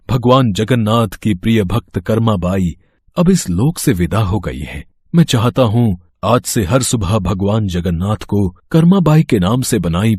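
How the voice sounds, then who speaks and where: A man performs the male roles of a devotional tale with a husky, breathy tone. His pitch swings widely as he declaims, and the recording is close and dry with no room sound. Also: dry recording. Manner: expressive, declamatory dialogue delivery. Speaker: voice actor playing the male roles. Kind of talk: dramatized devotional story dialogue.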